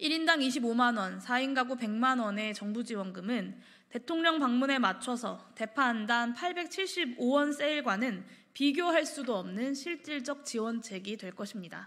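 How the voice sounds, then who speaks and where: Speaking very slowly, a woman with a high pitch uses lively intonation over a quiet background. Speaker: politician. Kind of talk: press conference statement. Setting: press briefing room. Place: hall.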